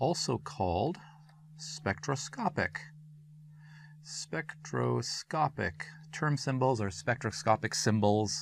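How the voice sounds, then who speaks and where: Against a silent background on a very clean recording, a man with medium pitch and vocal fry talks at a very slow pace, using very wide pitch swings and long, frequent pauses. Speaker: online chemistry instructor. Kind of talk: lecture.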